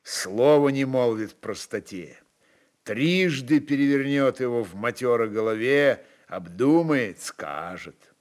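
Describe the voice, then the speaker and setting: A man's voice: mid-range voice, expressive, takes it slowly. A man narrating a literary story for radio in a dramatic reading style.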